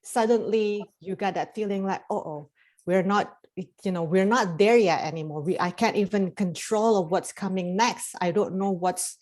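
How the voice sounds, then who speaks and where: A woman's voice: medium pitch, normal speed, darkish tone. A middle-aged woman from Indonesia, a life coach guest in a casual interview, talking in a rambling way with many fillers and restarts.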